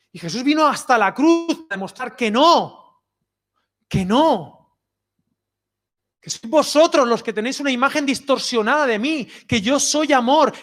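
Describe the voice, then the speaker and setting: Lively man preaching. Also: very high voice. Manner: lively conversational preaching, dropping to soft near-whispers. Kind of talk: sermon. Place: outdoor summer cinema.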